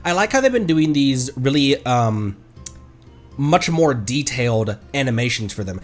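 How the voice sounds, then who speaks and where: Male streamer, slow-paced, very animated pitch, giggly casual commentary, faint game music. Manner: giggly, gushing. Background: video game music.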